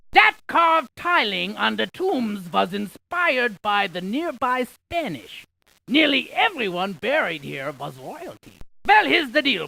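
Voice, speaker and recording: A man voicing an excitable, quirky scientist in a video game, with a creaky voice and a folksy, jokey, exaggerated delivery. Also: very high voice, heavily acted, rough recording. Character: excitable, quirky scientist tour guide, full of folksy quips. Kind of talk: cartoonish video game character lines.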